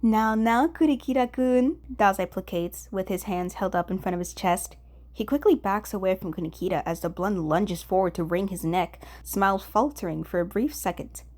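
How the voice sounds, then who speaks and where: A woman's voice: lowish voice, fairly even intonation, normal speed, a little mellow. Woman narrating fan fiction expressively.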